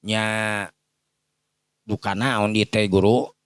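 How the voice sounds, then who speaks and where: A man's voice: fairly low pitch, fairly even intonation, slow, smooth, dry recording. A man with a Sundanese accent voicing a deferential henchman in a folk tale, speaking hesitantly and respectfully to his master. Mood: deferential, puzzled.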